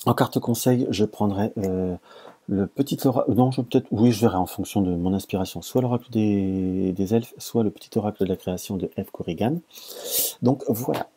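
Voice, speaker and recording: A man's voice: fairly low pitch, a little fast, dark tone, slightly rough. A man doing a casual monthly tarot reading to camera, hesitant, often stumbling and restarting his sentences. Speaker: tarot reader.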